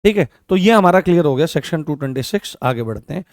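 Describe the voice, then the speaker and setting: A man's voice: on the high side, expressive, quick pace, no room sound, studio quality. A man teaching an exam coaching class online. He repeats key phrases over and over as he writes, and asks questions that he answers himself. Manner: repeats key phrases many times while writing on a board.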